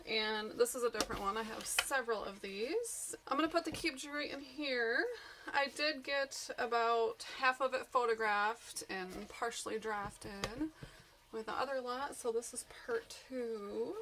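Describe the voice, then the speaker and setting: A woman's voice: a little high, unhurried, noisy background. A woman reselling jewelry online, chatting casually and rambling as she unboxes a haul in a morning voice. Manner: chatty, rambling, thinking aloud. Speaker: eBay reseller vlogger.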